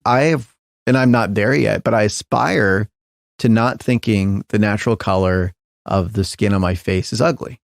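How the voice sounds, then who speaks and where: A man's voice: fairly low pitch, normal speed, creaky, no echo, studio quality. A middle-aged man, a tech founder guest in an interview, talking thoughtfully with many restarts and fillers. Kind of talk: reflective interview conversation.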